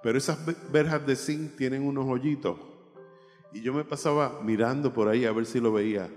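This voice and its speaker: A man's voice: mid-range voice, moderate pace, a little mellow, soft background music. A male pastor telling a personal testimony in a sermon, with emotional storytelling that rises and falls. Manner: emotional storytelling, voice rising and dropping. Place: church. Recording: reverberant church hall with instrument behind.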